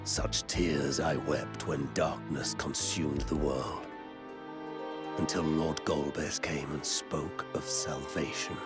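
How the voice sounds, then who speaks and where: An actor voicing a proud, calmly menacing male fire archfiend in a video game cutscene, speaking slowly and solemnly. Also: very deep voice. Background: game music.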